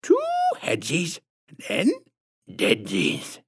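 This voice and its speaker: A man voicing a huge, creepy, patronizing woman in a storybook, with a squishy-throated lisp and syrupy, drawn-out baby talk. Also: lowish voice, wildly swooping pitch, a bit bright, slightly rough, heavily acted. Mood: sly, menacing.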